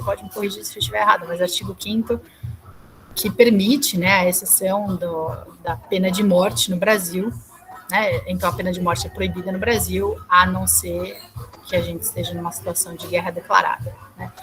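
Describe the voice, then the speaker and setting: A woman's voice: fairly low pitch, low-quality recording. A young Brazilian woman gives a conversational academic talk, often restarting and searching for words. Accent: Brazilian Portuguese. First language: Portuguese. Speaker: guest speaker at a law school event.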